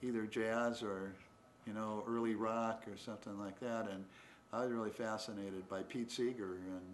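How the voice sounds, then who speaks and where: There is audible room echo as a man with a fairly low pitch speaks at a moderate pace in a monotone, flat intonation. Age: 70s. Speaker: folk musician and humorist. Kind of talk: casual interview.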